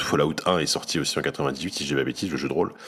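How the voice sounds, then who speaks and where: A man talks at a very fast pace. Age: 40s. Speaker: tech journalist and podcaster. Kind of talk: podcast interview.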